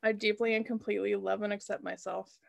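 A woman's voice: medium pitch, level tone, fast talker, gravelly. A woman on a video call, speaking hesitantly and repeating phrases back to her coach. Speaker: coaching client. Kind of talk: casual talk on a video call.

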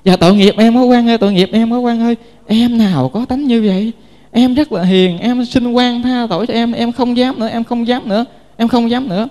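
Monk putting on a whimpering pickpocket. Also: male voice, extremely high pitch, a little fast, warm tone, pitched above the performer's own voice. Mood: pleading. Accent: Southern Vietnamese. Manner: begging, repeating himself. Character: young male pickpocket, pleading and whimpering. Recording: reverberant hall.

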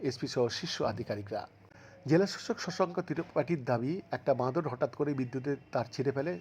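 A man presenting a news report in a formal, measured newsreader style. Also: mid-range voice, dark tone, slight background noise. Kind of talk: news reading.

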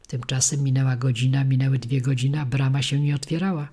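Husky-voiced woman reading a children's story. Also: rumbling low, steady tone, quick pace, mellow. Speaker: audiobook reader. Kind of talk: storybook narration.

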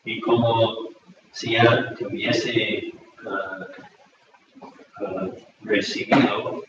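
An older man, a priest, reciting a prayer slowly and with deliberate pauses. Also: lowish voice, level tone, a bit bright. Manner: slow and deliberate, with small hesitations. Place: small chapel with altar, indoors. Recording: echoey, dull sound from far off, with noise.

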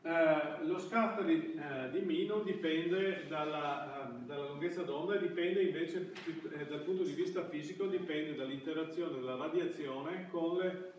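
In an echoey indoor classroom, a middle-aged male university lecturer speaks in a fairly high register. His delivery is halting, full of repeated false starts as he gropes for vocabulary, and the distant camera mic adds faint hiss.

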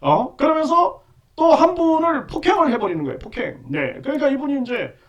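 High-pitched indignant man, distant mic. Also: very animated, a little fast, lo-fi sound. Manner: indignant, filler-heavy with repeated "ne" and "ye". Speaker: online channel host. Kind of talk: monologue commentary.

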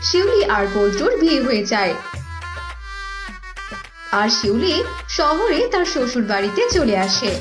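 A woman's voice: sits high, sing-song, a little slow, pauses often, music in the background. A woman narrating a scripted cartoon fairy tale as storyteller.

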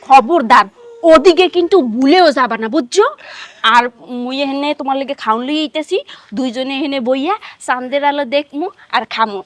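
Comedy-drama casting: a high-pitched, bossy village wife, dry sound. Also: female voice, a little fast, fairly bright tone, no room sound. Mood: scolding. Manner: scolding, bossy. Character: scheming, sharp-tongued village wife.

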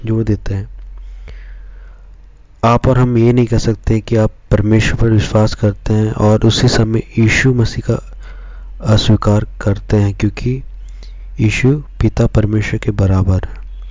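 A man reading Scripture and preaching as a pastor, slow and measured in short phrases. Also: lowish voice, darkish tone, no room sound, highs cut off. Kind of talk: devotional Bible reading and sermon.

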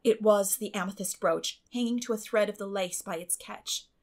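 A woman's voice: mid-range voice, moderate pace. A woman reading a classic novel aloud as scripted audiobook narration.

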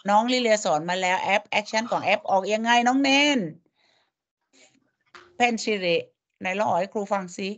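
A woman's voice: mid-range voice, moderate pace, long pauses. A woman teaching a language lesson, coaxing students and drilling sounds syllable by syllable. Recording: dull lo-fi audio.

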